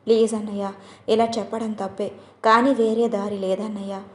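A woman voicing a young college woman heroine who coaxes and pleads softly, in a roomy recording. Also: medium pitch, level tone, normal speed, close to an everyday voice. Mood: pleading. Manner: coaxing, pleading. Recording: roomy echo.

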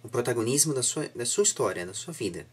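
Young brazilian guy doing a casual interview, kinda husky, keeps rewording stuff, earnest. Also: medium pitch, lively intonation, fast. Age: young adult. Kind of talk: casual reflective interview chat. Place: small home room indoors, seated on a sofa.

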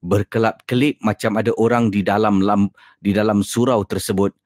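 A man's voice: fairly low pitch, steady tone, moderate pace, a little mellow, no echo. Malaysian man telling a spooky story, dry sound. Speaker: horror podcast host. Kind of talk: first-person spooky storytelling.

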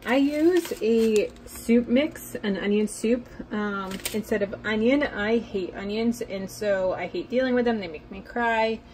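A woman's voice: medium pitch, poor audio. Chatty young woman vlogging meal prep. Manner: chatty, talks baby-talk to her cats. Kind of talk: casual meal prep vlog narration. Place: home kitchen, indoors. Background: faint household appliance hum.

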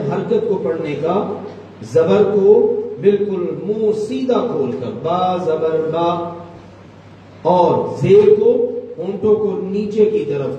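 Slow, high-voiced man teaching recitation. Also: warm tone, dull audio. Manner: slow, patient, demonstrates sounds by chanting them. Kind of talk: tajweed lesson. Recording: roomy hall echo, distant mic, faint noise.

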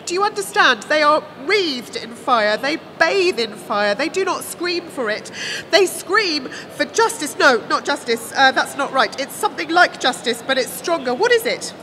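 Frenzied young seer girl in an audiobook, really high and bright, repeats herself. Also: very animated, normal speed, a little hiss or hum, full character voice, poor audio. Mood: urgent, searching. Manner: repetitive, breathless outbursts, screaming at peaks. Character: frantic young prophetess gripped by visions, fearful, fervent.

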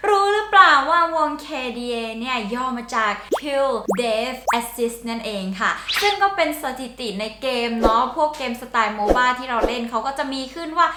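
A woman's voice: high-pitched, lively intonation, moderate pace, few pauses, echoey room, noisy background. A woman hosting a channel, explaining song lyrics and slang in a chatty, playful way. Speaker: song translator, channel host. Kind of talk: casual explaining lesson.

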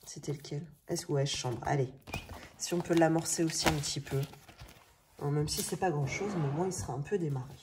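A woman in her thirties with a French accent chats casually, thinking aloud in colloquial speech with a slightly rough morning voice. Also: low voice, brisk. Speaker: budgeting video host. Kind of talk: casual chatty vlog narration. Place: indoors at a table. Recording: noisy home recording with clicks.

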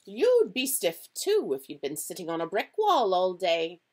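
A woman's voice: fairly low pitch, wildly swooping pitch, measured pace, pitched above the performer's own voice, exaggerated voice. A woman voicing a severe, irritable witch professor in a storybook, with a clipped, exasperated, emphatic delivery. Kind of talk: storybook character reading.

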